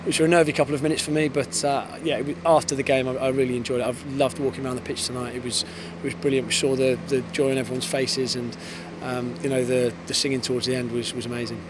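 A man in his thirties, an English football head coach, giving a post-match interview outdoors on a floodlit pitch at night, fast and thoughtful with many restarts. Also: little pitch movement. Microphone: handheld interviewer mic. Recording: outdoor with clear background noise.

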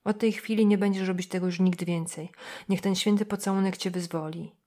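Kobieta odgrywająca fanatycznego kapłana, który uroczyście i rozkazująco wygłasza słowa egzorcyzmu. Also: female voice, medium pitch, steady tone, a little fast, dark tone, close to an everyday voice. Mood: preaching. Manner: solemn, declaiming. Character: fanatical male priest, commanding exorcist.

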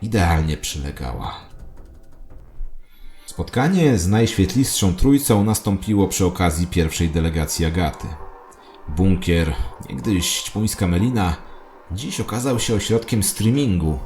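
A man's voice: low voice, expressive, a little slow, darkish tone. A man playing a grandiose, paranoid conspiracy believer who solemnly narrates his own story in an audio drama. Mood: conspiratorial, solemn. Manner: solemn, theatrical, self-important. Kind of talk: dramatic first-person scripted narration.

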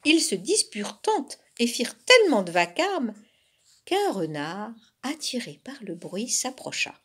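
A woman volunteer reading a children's tale aloud in a slow, expressive storytelling manner. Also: a little high, breathy edge.

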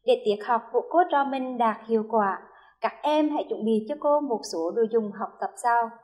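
A slightly high, somewhat mellow female voice belongs to a primary school teacher with a Hue accent. She leads a first-grade reading lesson, slowly and carefully modeling each sound and drawing out repetitions for the children to echo back.

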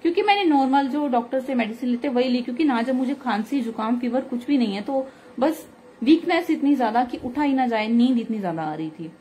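A woman in her thirties with a slightly hoarse throat, telling a devotional testimony in an earnest, chatty way with many fillers, recorded at home on a phone close to her face. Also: high voice, expressive, brisk, warm tone, a little hiss or hum. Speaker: satsang speaker. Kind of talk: devotional singing then testimony talk.

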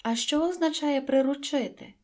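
A woman voicing a small, gentle boy prince who is lonely and wondering, in a high, soft, earnest voice. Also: lively intonation, unhurried.

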